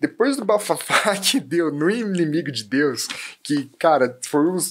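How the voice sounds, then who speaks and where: The pace is fairly slow. The speaker has a Brazilian accent. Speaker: book reviewer youtuber. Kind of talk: casual book review vlog. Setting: home recording at midnight. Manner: casual, slangy.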